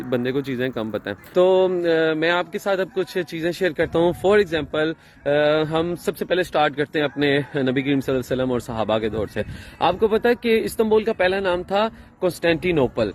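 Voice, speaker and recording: A man's voice: fairly high pitch, a little hiss or hum. Chatty man vlogging outdoors. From Pakistan. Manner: chatty, explaining with many fillers and restarts. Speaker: travel vlogger. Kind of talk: casual explanatory travel vlog.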